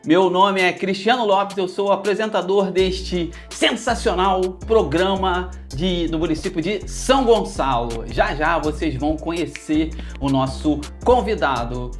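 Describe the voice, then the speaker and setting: A man's voice: high-pitched, a little slow, few pauses, faint music behind. A man with a Rio de Janeiro area Brazilian accent hosting a podcast interview, joking and playful as he chats with his guest. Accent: Brazilian Portuguese, Rio de Janeiro area. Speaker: podcast host. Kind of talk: casual interview chat.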